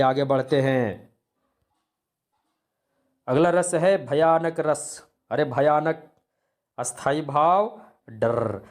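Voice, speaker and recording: A male teacher giving a lesson on poetry, asking questions and answering them himself, and reciting verses with rising emphasis. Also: mid-range voice.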